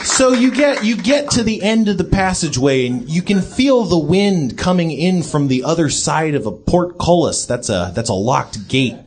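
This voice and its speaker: Man narrating as dungeon master, lively. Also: on the high side, breathy edge. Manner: casual, halting narration with fillers. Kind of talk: live comedy tabletop game narration.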